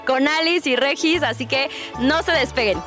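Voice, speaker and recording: A woman with a Mexican accent hosting a radio interview, upbeat and quick to laugh. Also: high-pitched, music in the background. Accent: Mexican Spanish. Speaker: radio show host.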